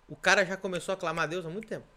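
A man's voice: high-pitched, fairly even intonation, very fast, bright, forceful tone. A Brazilian man, a pastor, preaching on a podcast in an emphatic way, repeating his points and firing off rhetorical questions. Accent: Brazilian Portuguese.

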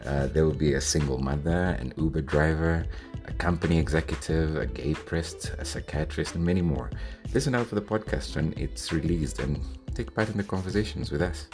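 A man's voice: very deep voice, a little fast. A young adult man from Kenya giving an earnest, scripted introduction to his podcast as its host. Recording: music bed under the voice.

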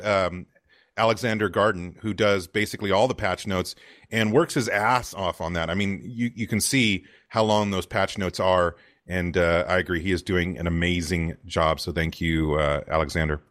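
Male co-host, very deep voice, unscripted and rambling, casual gamer talk. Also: moderate pace, a bit bright. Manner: rambling, lots of fillers. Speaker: co-host of a gaming community show. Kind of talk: casual chat.

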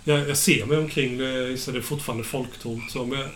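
A man's voice: mid-range voice, fairly even intonation, fairly bright tone. A man playing a tabletop game, plainly describing his character's actions. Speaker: player. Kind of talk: casual chat in a tabletop game. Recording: roomy with background noise.

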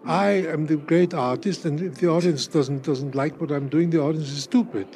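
A man of eighty whose first language is German, answering interview questions in a measured, wry way with frequent fillers and restarts. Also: on the high side, a little mellow. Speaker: interviewee, cabaret artist.

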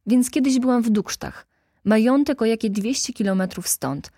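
A woman reading an audiobook, voicing a brisk middle-aged woman activist who tells her stories in a lively, indignant way. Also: fairly high pitch, husky, no room sound, studio quality.

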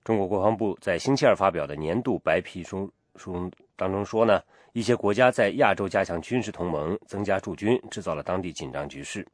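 Deep-voiced man reading breaking news. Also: fairly quick, hardly any pauses, no room sound, studio quality. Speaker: radio news anchor. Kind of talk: breaking news bulletin read in a radio newscast.

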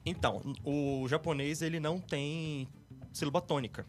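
A man's voice: fairly high pitch, steady tone, moderate pace, darkish tone, soft background music. A Brazilian man explaining anime patiently in a casual podcast chat. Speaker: anime guest expert.

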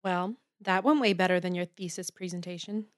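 A woman's voice: fairly low pitch, fairly even intonation, brisk, no room sound, clean studio sound, natural voice. A woman playing a flamboyant dead best friend in an audio drama, with a blunt, wry, teasing manner. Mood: playful, breezy. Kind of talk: audio drama acting, naturalistic dialogue.

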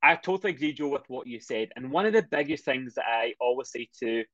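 A man's voice: medium pitch, no echo, lo-fi sound. Upbeat Scottish man coaching. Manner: energetic, fast-talking, explanatory. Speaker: mindset coach guest. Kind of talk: podcast interview.

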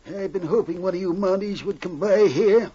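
An actor playing a folksy, ingratiating frontier cabin dweller in 1940s radio style. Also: male voice, high voice, moderate pace, warm tone, breathy edge. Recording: dull, faintly noisy old radio recording.

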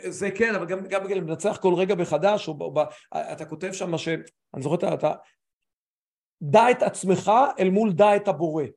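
Guy on a video call, pretty high voice, talks fast and lively, keeps restarting his sentences like a coach chatting. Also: creaky. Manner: animated, stop-start, many restarts. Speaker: mental coach, guest. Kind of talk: casual conversation on a video call.

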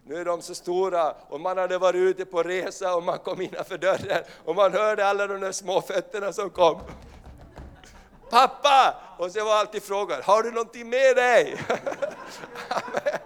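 A man's voice: high-pitched, steady tone, few pauses, clean tone. A middle-aged man preaching a sermon as a pastor, telling a Bible story and acting out its voices with fervent energy.

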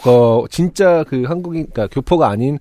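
A man's voice: medium pitch, fairly quick, warm tone, no echo, studio quality. A man co-hosting a podcast, speaking in a thoughtful, hesitant way with many fillers. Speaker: podcast co-host. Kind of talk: casual chat.

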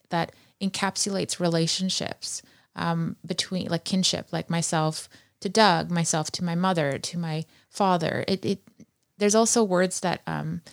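A woman's voice: on the low side, no room sound, clean studio sound. A woman whose first language is Farsi, speaking reflectively in a casual conversation as a guest, with frequent ums and you-knows. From Iran.

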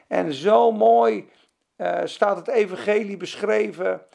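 A male preacher with a high, gravelly voice. He retells scripture fervently and conversationally, breaking off for casual asides to the congregation. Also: slow, darkish tone. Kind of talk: sermon.

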